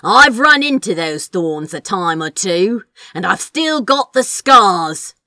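A woman's voice: mid-range voice, big pitch swings, slow pace, sharp tone, no echo, exaggerated voice. A woman voicing a wry, vengeful male sorcerer in a fantasy story reading. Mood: taunting, menacing. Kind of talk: expressive fan fiction character reading.

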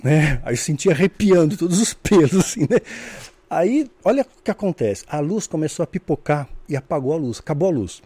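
A man tells a story at a quick clip, his voice dark and mellow. He talks in a lively way and acts out the voices he quotes, often checking in with "né?". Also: fairly high pitch, husky, no room sound. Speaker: guest storyteller. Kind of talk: casual storytelling.

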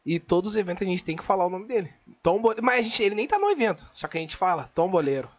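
A man guesting on a live podcast, animated and teasing as he tells quick stories about his family. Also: high voice. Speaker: band member guest. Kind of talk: casual live podcast chat.

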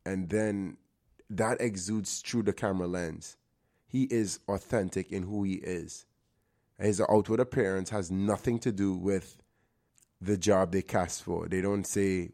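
A man's voice: low-pitched, dark tone. A man hosting a podcast, talking in an earnest, motivational way. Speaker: podcast host. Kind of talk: casual podcast talk.

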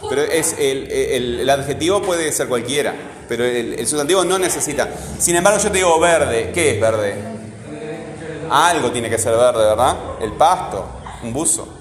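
A man's voice: mid-range voice, normal speed, crowd noise. A man teaching a grammar lesson, asking his students questions and often answering them himself. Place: classroom. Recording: echoey room with long reverb, faint ambience.

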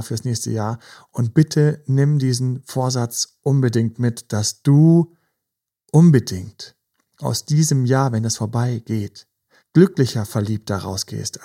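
A man hosting a podcast, gently advising couples in a casual chat, with many fillers. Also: mid-range voice, vocal fry, slightly rough. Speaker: podcast host.

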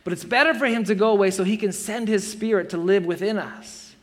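High-voiced man in his forties preaching. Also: fairly quick. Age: 40s. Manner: earnest, conversational with playful self-mocking asides. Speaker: pastor. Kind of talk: sermon. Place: church.

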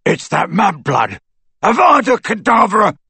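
Man acting a thuggish, slow-witted teenage henchman, surly. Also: fairly low pitch, big pitch swings, husky, no room sound, pitched below the performer's own voice, full character voice. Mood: furious. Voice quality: soft, dull-toned. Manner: ungrammatical, surly, belligerent.

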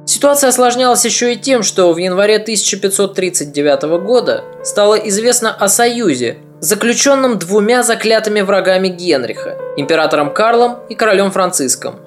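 A man narrating a history podcast in a measured, slightly ironic, scripted storytelling way. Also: sits high, animated, soft background music.

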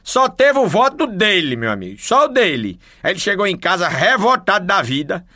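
Northeastern brazilian guy cracking folksy jokes, high lively voice, super animated. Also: moderate pace. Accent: northeastern Brazilian, Paraíba. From Paraíba, northeastern Brazil. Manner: chatty, peppers talk with "rapaz". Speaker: joke teller. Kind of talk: folksy joke telling.

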